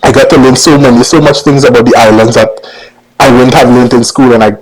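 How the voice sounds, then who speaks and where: A man's voice: medium pitch, steady tone, fast, poor audio. A man with a Trinidadian accent answering interview questions casually, choosing his words with some hesitation. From Trinidad and Tobago. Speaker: interview guest, journalist.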